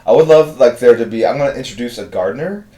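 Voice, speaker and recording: A man in his fifties hosts a live drawing stream, reading viewer messages and chatting casually while rambling through answers full of fillers. He talks fast in a warm, mid-range voice, and the sound is roomy.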